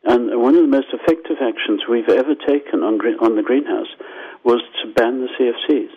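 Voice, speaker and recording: An older man from Zimbabwe, a scientist guest explaining things thoughtfully in a radio interview, with restarts and lively asides. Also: medium pitch, brisk, husky. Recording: dull lo-fi phone line.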